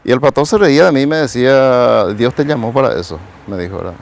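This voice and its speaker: A man, a pastor telling his life story in a television interview. His voice is gravelly and mid-pitched. He rambles and tags nearly every phrase with a questioning "right?". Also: fast talker. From Paraguay. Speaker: pastor and evangelist, interview guest. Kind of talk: personal testimony in a TV interview.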